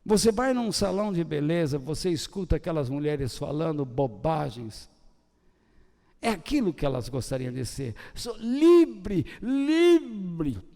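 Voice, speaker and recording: An older man with a Brazilian Portuguese accent preaching a sermon, swinging between loud high bursts and soft low trailing ends. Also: lively intonation, moderate pace, creaky. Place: church hall. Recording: long church hall reverb.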